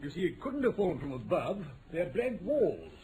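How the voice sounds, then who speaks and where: An actor playing a plain-spoken, deferential English police inspector in a 1940s radio drama. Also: male voice, sits high, wildly swooping pitch, normal speed. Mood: matter-of-fact. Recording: noisy old radio broadcast recording.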